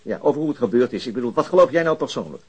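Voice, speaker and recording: An actor playing a dogged, frustrated police detective in a radio drama, insistent and questioning with some hesitation mid-sentence. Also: male voice, medium pitch, animated, rapid-fire, mellow, slightly rough. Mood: probing. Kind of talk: Dutch radio drama acting, conversational.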